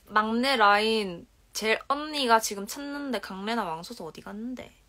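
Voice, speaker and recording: Soft-spoken woman with a regional accent. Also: fairly high pitch, normal speed. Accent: Korean regional dialect. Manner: soft-spoken, drifts into whispers and giggles. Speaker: idol livestream host. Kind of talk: casual livestream chat reading comments. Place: dim bedroom, indoors. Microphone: phone held at arm's length.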